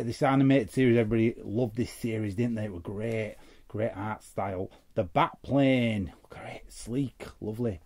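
A man's voice: lowish voice, vocal fry, dark tone. A man giving casual, chatty unboxing commentary as host, muttering and repeating short phrases to himself. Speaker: host of a trading card opening show.

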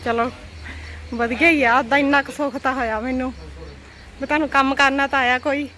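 A woman's voice: sits high, steady tone, fairly quick, sharp tone, a little hiss or hum. A woman with a Punjabi accent chatting casually in a teasing, chiding way as she vlogs. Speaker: vlogger. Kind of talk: casual vlog chat.

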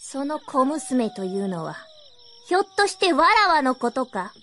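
A proud young princess in a radio drama. Her voice is very high, bright and animated, with imperious, old-fashioned phrasing and a quick temper. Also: slight background noise, heavily acted. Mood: haughty. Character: haughty, hot-tempered young princess, archaic regal speech. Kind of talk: Japanese radio drama acting.

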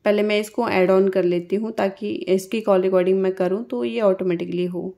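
A woman's voice: mid-range voice, steady tone, fairly quick, creaky, dark tone. A woman with an Indian accent hosting a casual step-by-step phone tutorial in a conversational, instructional way. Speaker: tutorial host.

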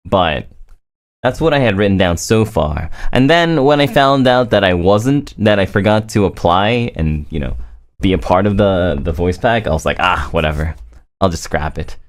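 A man's voice: lowish voice, expressive, normal speed. A man chatting casually as a streamer and voice actor, hesitant and often repeating himself. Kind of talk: casual livestream chat.

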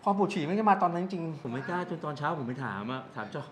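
Fast-talking man telling a ghost story. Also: on the high side, slight background noise. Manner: animated, vivid retelling with sound effects. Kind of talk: casual storytelling.

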